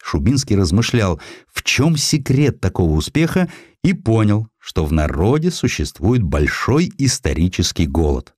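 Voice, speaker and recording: A man reading a dramatized historical narrative in an expressive, theatrical storytelling manner. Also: lowish voice, normal speed. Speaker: narrator, audiobook reader.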